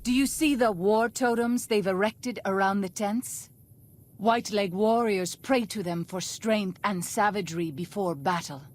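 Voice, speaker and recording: A woman playing a proud, earnest tribal scout in a video game, speaking in formal, deliberate phrases. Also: mid-range voice, lightly acted. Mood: concerned, serious. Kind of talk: video game dialogue acting.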